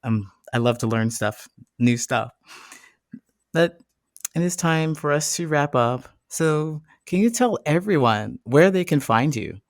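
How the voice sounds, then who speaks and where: Podcast host, medium pitch, casual interview chat, affirming manner, dry sound. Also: animated, unhurried, no room sound.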